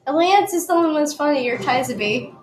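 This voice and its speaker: A woman's voice: high-pitched, expressive, a little fast. A woman chatting casually about the cartoon while she watches it with family. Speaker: family member watching along. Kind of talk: casual chat. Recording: echoey room with faint noise.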